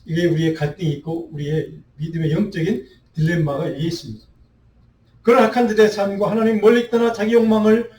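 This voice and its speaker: Heard from a distance with roomy echo in a church sanctuary, a male pastor with a high-pitched, darkish voice preaches a midweek Bible study sermon. He is earnest and asks many rhetorical questions.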